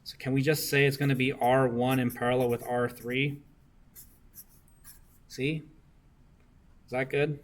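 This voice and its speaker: A man's voice: mid-range voice, level tone, unhurried, pauses often. A young man working circuit homework problems for a class, often asking "right?" to check that students follow. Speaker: engineering discussion instructor.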